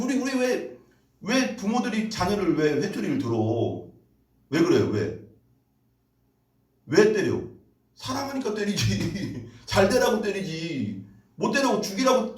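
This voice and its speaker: Male pastor, sermon, expressive and pitched a bit high, emphatic questioning style, recorded off-mic in a reverberant church. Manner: emphatic, rhetorical questions, mixes formal and casual speech. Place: church sanctuary. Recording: echoey church room, voice from a distance.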